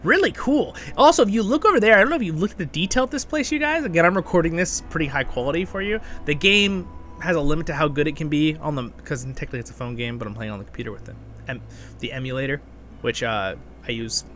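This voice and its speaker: A man's voice: a little high, expressive, fast talker, a bit bright, slight background noise. A man hosting a gaming channel, giving a casual, rambling gameplay guide and chatting to viewers as friends. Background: game background music.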